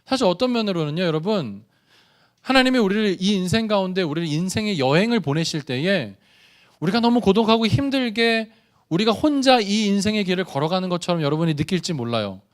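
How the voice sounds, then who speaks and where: A man with a somewhat high-pitched voice delivers a sermon at a church service for young people. He tells stories in an animated, conversational way. He often turns to the listeners and asks them questions directly. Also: a little fast. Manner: addresses the congregation directly with questions. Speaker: youth pastor.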